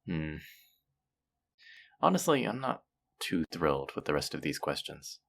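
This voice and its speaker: A man's voice: extremely low pitch, sing-song, a little slow, creaky, a bit bright, exaggerated voice. A man playing a feared supervillain in an audio roleplay, theatrical and businesslike, with a dry, politely condescending manner. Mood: amused, measured. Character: feared male supervillain, theatrical yet businesslike and dryly amused. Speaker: supervillain interviewing a job applicant. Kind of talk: audio roleplay acting, addressing the listener.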